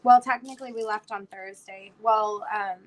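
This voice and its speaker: Woman, twenties, hoarse from losing her voice, chatty, filler-heavy, faint background noise. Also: mid-range voice, steady tone, moderate pace. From South Florida. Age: 20s. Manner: chatty, rambling with many fillers. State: lost her voice. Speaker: livestream host. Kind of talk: casual livestream chat.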